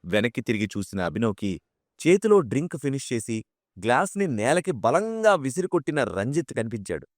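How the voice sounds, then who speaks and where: A man narrates a scripted audio drama in a dramatic storytelling manner. His voice sits at a medium pitch. The close mic gives a dry studio sound. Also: very animated, fairly quick, no room sound.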